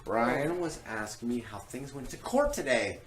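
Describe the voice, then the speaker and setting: A woman's voice: a bass voice, lively intonation, unhurried, a little hiss or hum, low-quality recording. A trans woman with a Southern accent, chatting and teasing playfully while filming a casual home vlog. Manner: playful, teasing questions, laughs often. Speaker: vlogger filming her family. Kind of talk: casual handheld vlog chat. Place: at home, then outdoors in a driveway.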